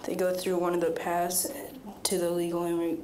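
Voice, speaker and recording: A ninth-grade girl reads a prepared speech with a steady delivery. Her voice is low and flat, and faint ambient noise sits behind it. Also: normal speed. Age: teens. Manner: steady, somewhat monotone reading. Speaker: student speaker.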